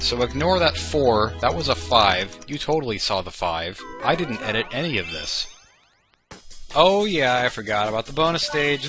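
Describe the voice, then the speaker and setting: A young man giving casual, goofy let's-play commentary, joking about himself and tripping over his words, recorded at home on a desk mic. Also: medium pitch. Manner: goofy, self-mocking, stammering restarts. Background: video game music.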